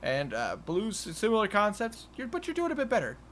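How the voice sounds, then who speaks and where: A man improvising narration as game master of a tabletop game, haltingly repeating and restarting his phrases. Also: sits high, huge pitch swings, a bit bright. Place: online voice call. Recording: noisy home voice-chat recording.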